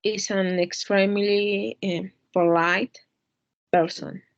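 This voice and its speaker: A woman student answering English exercises hesitantly, with pauses and fillers. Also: medium pitch, flat delivery, no echo, muffled recording.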